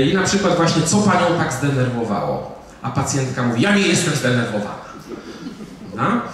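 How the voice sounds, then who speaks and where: A man's voice: fairly high pitch, a little hiss or hum. Middle-aged man lecturing in an echoey hall. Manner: conversational, with fillers and rhetorical "prawda?". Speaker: psychiatrist giving a public lecture. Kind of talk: public lecture. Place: audiovisual hall of a museum. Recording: echoey hall, speaker far from the mic.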